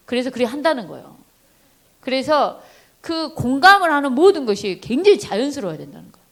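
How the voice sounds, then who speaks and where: During a church service, a woman with a voice on the high side gives an animated, sermon-style talk on parenting to the congregation. She acts out voices and speaks to listeners directly.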